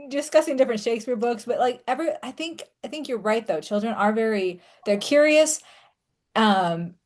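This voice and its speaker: A woman's voice: on the high side, lively intonation, normal speed, darkish tone. A woman hosting a podcast in a casual interview chat, speaking informally with lots of "like". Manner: informal, peppered with "like". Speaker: podcast host.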